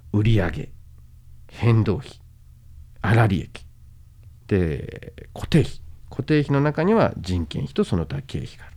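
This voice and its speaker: A man giving a relaxed podcast lecture, his pitch leaping up and down all the time. His voice is dark and mellow. He fills his talk with little fillers and tag endings, and he speaks straight to his listeners to keep them going. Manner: casual, with many fillers and sentence-final tags. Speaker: host and medical management lecturer.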